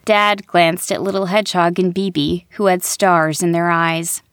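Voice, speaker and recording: A woman's voice: lowish voice, little pitch movement, unhurried, clear, resonant tone, dry recording, studio quality. A woman reading scripted storybook narration for a children's podcast.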